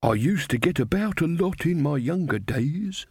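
A man's voice: a little high, animated, normal speed, a little mellow, breathy edge, dry recording, studio quality, voice pushed up. A man voicing a mild, cheerful old fairy godmother woman who chats and rambles. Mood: mild, chatty.

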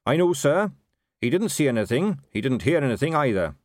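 A man's voice: mid-range voice, sing-song, fairly quick, dry recording, studio quality, voice pushed up, lightly acted. A man voicing an earnest, polite and honest young watch captain in a story, respectful, firm and a little wooden.

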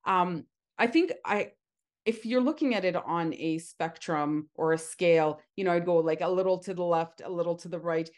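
A woman co-hosting a casual podcast, talking in a loud, lively way. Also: fairly low pitch, moderate pace. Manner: loud and lively, says she has a loud voice. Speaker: podcast co-host, esthetician.

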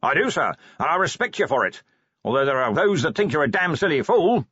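Man playing a booming, jovial old wizard. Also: big pitch swings, brisk, slightly rough, no room sound, dull audio, exaggerated voice. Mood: intrigued, hearty. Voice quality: loud, booming. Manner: hearty, exclamatory, conspiratorial.

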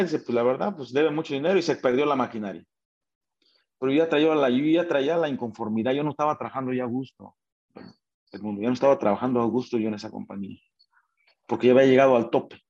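Mexican man, interview guest, lively anecdote teller who voices the people in his story, slightly muffled recording. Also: mid-range voice, fast. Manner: animated, acts out quoted dialogue, many fillers and restarts.

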